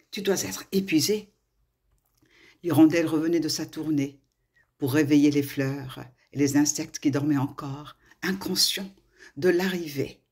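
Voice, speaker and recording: A woman from Morocco telling a children's tale expressively, with dramatic pauses and hushed phrases. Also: lowish voice. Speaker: storyteller.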